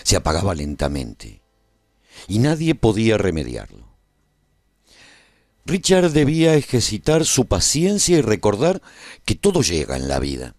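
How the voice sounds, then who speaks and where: A man playing an earnest, reflective narrator of a radio serial, telling his own story of life at a royal court in a measured, solemn, dramatic delivery. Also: on the low side, huge pitch swings, a little mellow, dry recording, studio quality, heavily acted. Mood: grave, dramatic.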